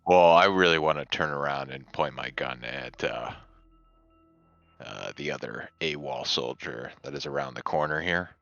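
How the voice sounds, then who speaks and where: A man's voice: rumbling low, moderate pace, vocal fry, fairly bright tone, no room sound. A man playing a tabletop roleplaying game, talking casually through his next move, on dull close audio.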